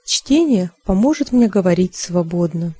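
A woman reading a language-learning text aloud in a slow, calm, deliberate way. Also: on the low side, breathy edge, no room sound.

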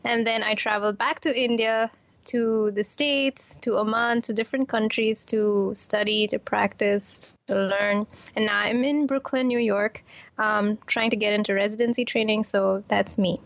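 A woman's voice: medium pitch, fairly even intonation, moderate pace, gravelly, no room sound, muffled recording. A woman from Kuwait, an author and doctor, answering interview questions in a chatty way, with fillers and repeated words.

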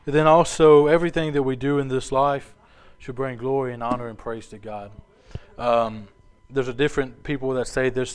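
A man's voice: a little high, clean tone. A man preaching a sermon to his congregation in an earnest, conversational way, with casual asides.

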